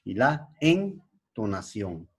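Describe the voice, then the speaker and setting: A middle-aged male secondary school teacher with a Peruvian Spanish accent gives a slow classroom lesson. He keeps checking in with his pupils. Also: lowish voice, big pitch swings, breathy edge. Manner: slow, explanatory, frequent checking tags.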